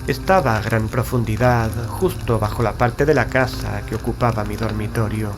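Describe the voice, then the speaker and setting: A man narrating a gothic horror story in the first person, in a measured, grave, literary manner. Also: lowish voice, noisy background. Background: background music.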